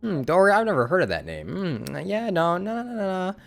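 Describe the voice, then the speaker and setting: A man's voice: high voice, huge pitch swings, brisk, creaky, faint music behind. A man streaming a video game, casual and laid-back. He laughs often and answers his chat. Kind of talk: casual live-stream commentary.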